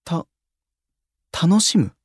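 Timid, careful young idol. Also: male voice, extremely slow, a little mellow, dry recording, studio quality. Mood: anxious. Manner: hesitant, careful, polite. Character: timid, overly cautious young male station idol. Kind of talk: Japanese audio drama acting.

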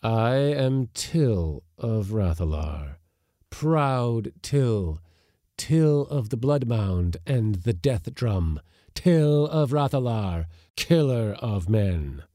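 A man voicing a proud, bloodthirsty ancient warrior spirit in measured, boastful declamation. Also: lowish voice, big pitch swings, mellow, dry recording, studio quality, voice pushed up, full character voice. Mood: proud, fierce.

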